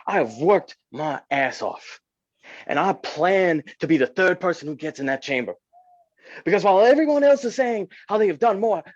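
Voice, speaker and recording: A man playing a tough, determined old underdog wrestler, husky and emphatic, boasting in a staged promo reading. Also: fairly high pitch, no echo. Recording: dull, muffled lo-fi audio.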